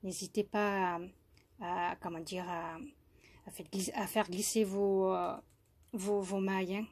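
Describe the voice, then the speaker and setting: A woman from France demonstrating crochet step by step, hesitant with many fillers and restarts, softly counting stitches under her breath. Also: medium pitch, level tone, measured pace. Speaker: crochet tutorial host.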